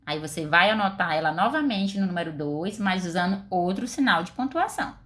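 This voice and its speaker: A woman teacher with a Brazilian Portuguese accent, giving a recorded class lesson and asking her pupils questions. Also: lowish voice. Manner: slow, deliberate, expressive with questions to pupils.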